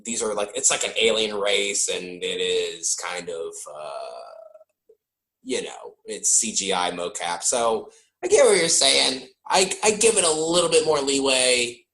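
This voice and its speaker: A man hosting a podcast, chatting casually about a film, animated and joking, swearing now and then. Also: lowish voice, echoey room. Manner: animated, swearing, quick jokey impressions. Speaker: podcast host. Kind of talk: casual film-review chat.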